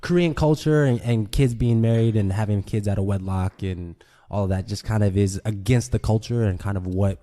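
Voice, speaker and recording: A man in his thirties from Colorado, a guest on a podcast, explaining his background in a relaxed way and saying "you know" often. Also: lowish voice, normal speed, hardly any pauses. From Boulder, Colorado. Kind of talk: casual interview storytelling.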